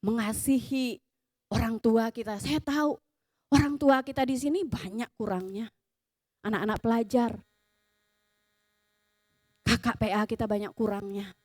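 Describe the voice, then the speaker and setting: High-voiced earnest woman preaching. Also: steady tone, measured pace, long pauses, darkish tone, no echo, studio quality. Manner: earnest and emotional, tells stories vividly. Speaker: youth service preacher. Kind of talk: sermon with personal testimony.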